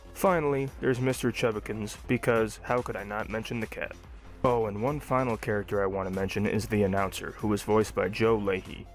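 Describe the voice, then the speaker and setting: A young adult man narrating a scripted cartoon review. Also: on the low side.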